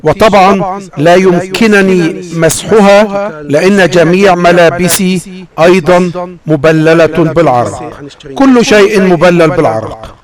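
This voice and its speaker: An Egyptian man narrates a travel documentary in a notably high voice, his phrasing formal and measured as if reading a prepared script. Behind him runs a clear bed of many voices and sounds, including a background crowd.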